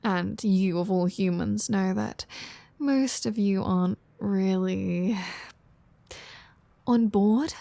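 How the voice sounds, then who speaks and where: A woman's voice: mid-range voice, vocal fry, warm tone, dry recording. A woman playing a flirty, sardonic female vampire in an intimate roleplay audio drama, teasing and casual. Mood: wry teasing. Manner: teasing, casual, sardonic, with sighs and drawn-out phrasing.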